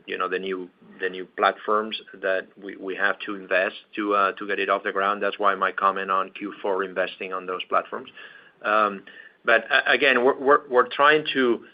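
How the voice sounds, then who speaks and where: A man answering questions as a company executive on an earnings call, speaking haltingly with pauses and repeated words. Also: fairly low pitch. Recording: dull, muffled conference call audio.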